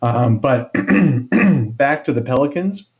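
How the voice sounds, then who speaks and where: A man's voice: medium pitch, expressive, takes it slowly. A man co-hosting a casual sports podcast, talking with lots of fillers and restarts. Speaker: podcast co-host. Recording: dull lo-fi sound.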